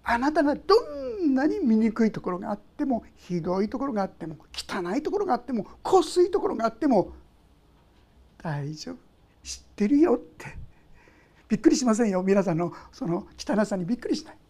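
A woman preaching a heartfelt sermon in a chatty, direct way, often turning to speak to her listeners. Her voice sits a little high and swings widely in pitch. The tone is mellow and rounded rather than bright. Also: sing-song, fast. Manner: emotional, conversational, addresses listeners directly.

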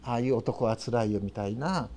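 A man's voice: mid-range voice, brisk, mellow, a little hiss or hum. An older man preaching a sermon as a pastor, with a Tochigi accent, earnest and emphatic, often ending sentences on a rise. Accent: Tochigi Japanese. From Tochigi, Japan. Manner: earnest, emphatic, with rising sentence ends and tag questions.

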